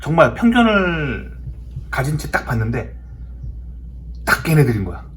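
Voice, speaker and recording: A man's voice: a little high, sing-song, normal speed, a little hiss or hum. A man from South Korea talking casually in a storytelling monologue, emphatic and often repeating his words for effect. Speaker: host of a talk show.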